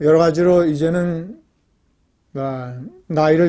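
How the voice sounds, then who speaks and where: A man speaks at a fairly slow pace, his pitch fairly high. His tone is dark and mellow, with fairly even intonation. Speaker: political commentator. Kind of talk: news commentary to camera.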